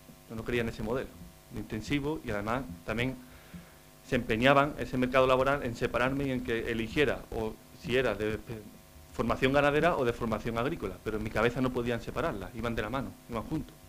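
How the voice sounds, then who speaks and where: Light background noise sits under this recording of a man. He talks at a very fast pace, his intonation fairly even. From Andalusia, Spain (Carmona, Seville province); Andalusia, Spain. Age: 30s. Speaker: agronomist; speaker. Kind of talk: conference talk. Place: meeting room. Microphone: podium.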